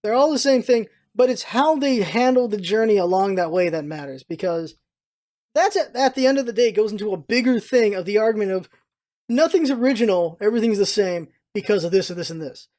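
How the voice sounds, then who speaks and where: A man's voice: high-pitched, expressive, fairly quick, darkish tone. A man hosting a vlog with casual, opinionated commentary, rambling and repeating himself for emphasis. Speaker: vlog host, gaming content creator.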